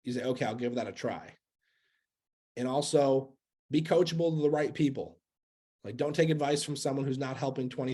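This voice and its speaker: A man's voice: mid-range voice, a little mellow, breathy edge. Earnest man coaching sales agents. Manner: earnest, repeats key phrases, many fillers. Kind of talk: motivational talk to sales agents.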